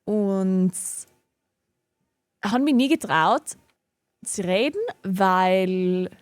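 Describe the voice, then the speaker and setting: A woman's voice: mid-range voice, extremely slow, no echo. A young woman with a regional German dialect, chatting casually and giggling often while streaming a game from her home office. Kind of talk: casual live-stream chat while gaming.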